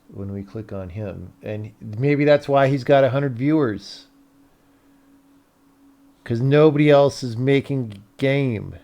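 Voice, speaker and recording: A man's voice: medium pitch, creaky, darkish tone. A man who hosts a game development livestream, chatting casually in a dry, grumbling, offhand way.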